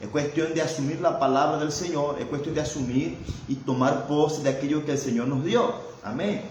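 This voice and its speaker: A man's voice: on the high side, moderate pace, darkish tone. A man preaching a sermon who keeps adding amén and invocations of Jesus, and often stalls and repeats words while he searches for them. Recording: very echoey room with faint background noise.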